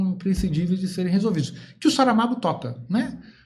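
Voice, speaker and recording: Audible room echo surrounds this voice. A man speaks at a high pitch. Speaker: journalist. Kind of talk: podcast interview.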